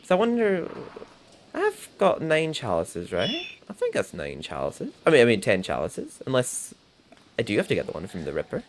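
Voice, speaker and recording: A man's voice: medium pitch, wildly swooping pitch, moderate pace, slight background noise. A young man chatting casually as he livestreams a game, rambling and laughing to himself. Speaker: gaming streamer. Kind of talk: casual gameplay commentary. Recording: game music playing underneath. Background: game music.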